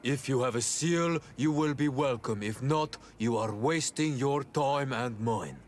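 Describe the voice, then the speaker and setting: A man's voice: medium pitch, unhurried, a little hiss or hum, natural voice. A man playing a stern, dutiful tribal gatekeeper in a video game, formal and unyielding yet respectful. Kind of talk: video game cutscene acting.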